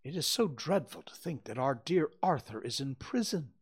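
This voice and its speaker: A man doing a high, anxious young lady, breathless and pleading, for a storybook reading. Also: big pitch swings, normal speed, breathy edge. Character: anxious earnest young woman, gentle.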